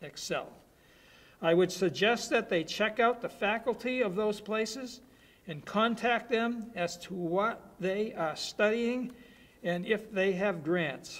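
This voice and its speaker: A man talks with an American accent. His pace is very slow. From Massachusetts, US. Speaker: interviewee. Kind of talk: interview answer. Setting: conference interview. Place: studio. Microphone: lapel.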